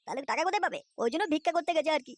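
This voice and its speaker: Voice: high-pitched, animated, racing, no echo. An actor voicing a carefree, boastful, boozy layabout father in a comic cartoon, with a West Bengal accent and slangy, cajoling banter.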